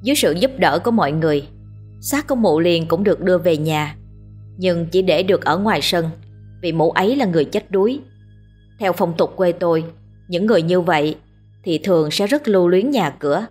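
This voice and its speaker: Woman storyteller, somewhat low and breathy, measured ghost story read, faint music under. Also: lively intonation, a little mellow. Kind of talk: scripted ghost story narration.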